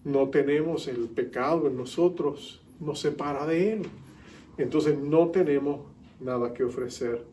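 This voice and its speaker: A man's voice: on the high side, a little slow, mellow, a little hiss or hum. A male pastor preaching an earnest sermon in church, acting out the figures he quotes.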